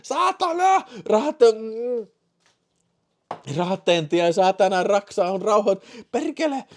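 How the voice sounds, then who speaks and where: A high-pitched man hosting a livestream, swearing constantly and shouting as he calls out names. His voice is strained and giving out from all the yelling. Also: slight background noise. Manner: tired, winding down. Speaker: livestream host. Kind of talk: livestream chat.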